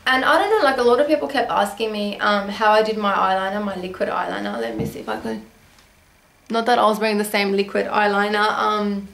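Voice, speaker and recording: This young adult beauty vlogger chats through a casual Q&A in her small bedroom, rambling and restarting often with plenty of ums. Her mid-range voice is brisk and a bit bright, and the room lends a clear echo. She grew up in Australia and speaks Armenian as her first language.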